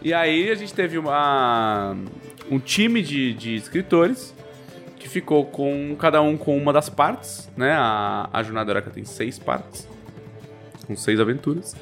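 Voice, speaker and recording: A man's voice: on the high side, expressive, a little slow, fairly bright tone, soft background music. A man with a Brazilian accent chatting casually as a podcast co-host, informal, slangy and given to swearing. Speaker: podcast co-host and tabletop RPG writer.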